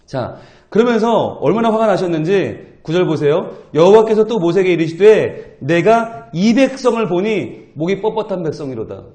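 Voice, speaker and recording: A male pastor preaching at an early-morning church service, talking in a lively, colloquial way and playfully acting out scripture dialogue. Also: sits high, normal speed, hardly any pauses. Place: church sanctuary. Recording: roomy church echo.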